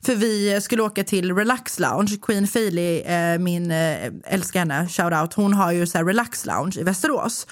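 A young woman hosts a podcast and tells a long story in lively, casual chat. She swears freely and acts out the other people's lines as she goes. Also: lowish voice, hardly any pauses. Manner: animated, swearing, acts out dialogue. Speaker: podcast host.

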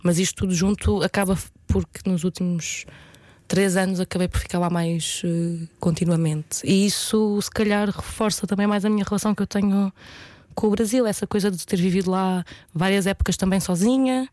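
Brief: actress in her 30s, European Portuguese accent, pensive and hesitant, middle pitch, dry close mic. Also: steady tone, a little fast, darkish tone, no room sound. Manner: thoughtful, hesitant, many fillers and restarts. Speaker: actress, interview guest. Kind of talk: reflective casual interview talk.

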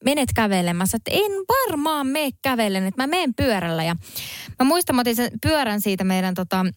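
A woman on a panel show telling a self-mocking childhood story in a casual, animated way. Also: on the high side, clean tone, no echo, clean studio sound.

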